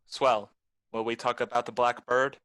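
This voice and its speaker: A man's voice: mid-range voice, flat delivery, moderate pace, fairly bright tone, natural voice. A man acting a cynical, wisecracking tough private detective in a film noir radio play, with clipped, nonchalant talk. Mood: wry, guarded. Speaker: actor, lead and narrator.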